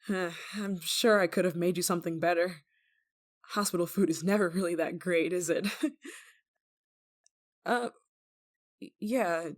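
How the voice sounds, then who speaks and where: A woman playing a desperate, guilt-ridden young lover in an intimate audio roleplay, tender and anxious, with halting, stammering delivery. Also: lowish voice, close to an everyday voice. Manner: halting, stammering, emotionally fragile.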